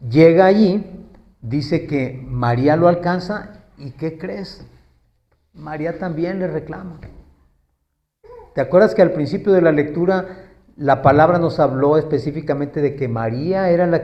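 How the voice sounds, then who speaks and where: A man's voice: on the high side, muffled recording. A man preaching a sermon in a conversational way, asking the congregation questions and acting out quoted pleas.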